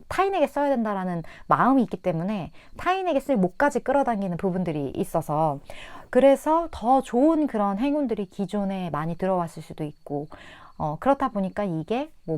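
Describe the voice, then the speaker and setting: A woman reads tarot cards for her viewers in a soft, musing manner, humming and trailing off as she thinks aloud. Her pitch rises and falls in a lively way. The recording is close and dry, with no room sound. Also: no room sound. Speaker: tarot reader. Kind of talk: casual tarot reading to viewers.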